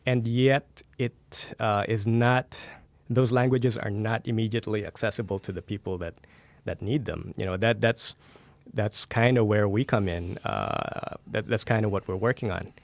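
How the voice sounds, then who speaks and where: A man's voice: on the low side, steady tone, moderate pace, creaky, no echo. A man speaking as a podcast guest, explaining things conversationally with examples and check-in tags in a studio. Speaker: podcast guest, media entrepreneur. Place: recording studio.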